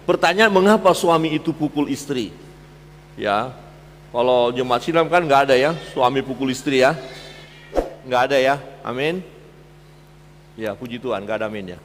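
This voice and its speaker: A man preaching a sermon as pastor, swinging between loud emphatic peaks and low quiet asides. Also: animated, moderate pace, pauses often, long reverb tail, a little hiss or hum. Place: church hall.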